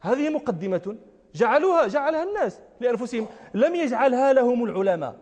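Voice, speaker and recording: High-voiced scholar in a reverberant hall. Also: male voice, big pitch swings, fast, darkish tone. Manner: emphatic, repeats phrases, asks rhetorical questions. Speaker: religious scholar teaching a lesson. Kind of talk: lecture on recitation and jurisprudence.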